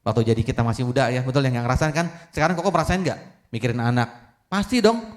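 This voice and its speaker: A man in his forties preaching a Buddhist sermon in an ordinary, middle-pitched voice. His delivery is lively, and he keeps turning to the congregation to ask if they agree. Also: fast talker. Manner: lively, keeps asking the audience "betul nggak?". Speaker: Buddhist Dharma speaker.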